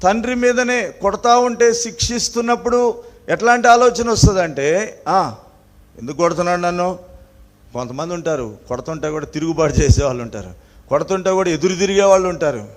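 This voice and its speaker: A man preaching a sermon with a Telangana Telugu accent, asking the congregation questions and swinging between loud emphatic peaks and quiet asides. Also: sits high, fairly quick. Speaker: pastor.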